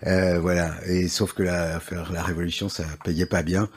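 A man's voice: low-pitched, level tone, normal speed, husky. A middle-aged man with an old Parisian accent, answering interview questions about his ad agency, hesitant with many fillers and wry self-mockery. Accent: Parisian French. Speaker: advertising agency founder, interview guest.

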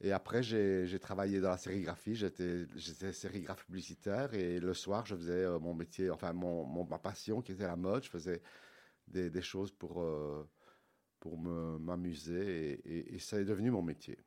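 A middle-aged man from Belgium, an interview guest who talks about his craft in an animated way and often repeats words. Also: low voice, normal speed. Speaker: milliner guest. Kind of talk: interview answers.

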